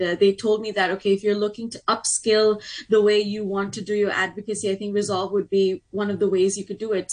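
A woman in her twenties from Hong Kong, a guest on a radio interview. She talks in an earnest, chatty way and uses "like" often. Her voice sits in a middle pitch. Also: slightly rough, poor audio. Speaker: interview guest, program alumna.

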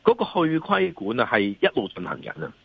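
A man with a Hong Kong accent, a financial analyst and columnist appearing as an interview guest, gives off-the-cuff market commentary in a brisk, gravelly, husky mid-range voice with big pitch swings. He is emphatic and keeps checking for agreement through rhetorical questions, heard over a dull lo-fi remote call line.

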